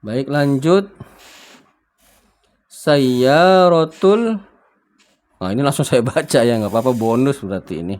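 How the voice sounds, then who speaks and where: A man's voice: mid-range voice, lively intonation, fast, a little mellow. A man teaching a recorded beginner lesson, patiently spelling out and translating each word and asking viewers to repeat after him. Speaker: Arabic teacher.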